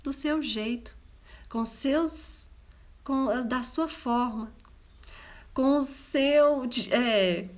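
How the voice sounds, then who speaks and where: A woman's voice: high-pitched, very slow, pauses often. A woman with a Goiás Brazilian accent, giving a live devotional talk and speaking straight to her listeners. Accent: Goiás Brazilian Portuguese. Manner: addresses listeners directly, animated. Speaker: Christian women's mentor.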